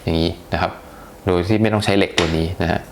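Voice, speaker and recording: A man's voice: low voice, fairly even intonation, quick pace, background noise. A man giving a casual, chatty unboxing review, talking with hesitations and many polite particles. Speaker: tech reviewer.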